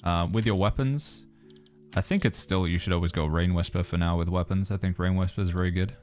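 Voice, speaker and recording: Deep-voiced man chatting on stream. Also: brisk, soft background music. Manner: relaxed, reads viewer questions aloud and muses with hedging asides. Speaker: streamer answering chat. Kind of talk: casual livestream chat while playing.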